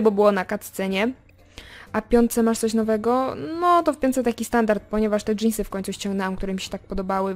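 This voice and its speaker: A young woman hosting a casual game commentary, chatting straight to her viewers and swinging between excited remarks and quiet muttered asides. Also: mid-range voice. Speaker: gaming video host. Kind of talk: casual let's play commentary.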